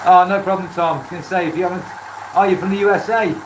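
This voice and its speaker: A man's voice: steady tone, very fast. A man with a Welsh accent chatting casually on a livestream while he works, often repeating phrases for emphasis. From Wales. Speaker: live streamer, beginner woodturner. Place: indoor woodturning workshop. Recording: echoey workshop, loud machinery noise. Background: lathe motor rumble.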